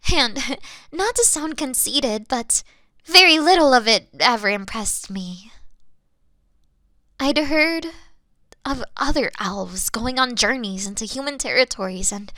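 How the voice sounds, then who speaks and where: A woman playing an obsessive, lovestruck elf kidnapper in a fantasy audio roleplay, with a coy, theatrical delivery that dips into hushed tones. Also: high voice, dry recording, studio quality, heavily acted. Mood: wistful, conceited.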